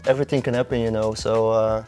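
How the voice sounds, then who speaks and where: A man's voice: fairly low pitch, level tone, fast talker, a little mellow, faint music behind. A young man from the Netherlands with a Dutch accent, a guest in a casual interview, speaking in a laid-back, hesitant way. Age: young adult. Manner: laid-back, hesitant with many ums and uhs. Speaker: guest footballer.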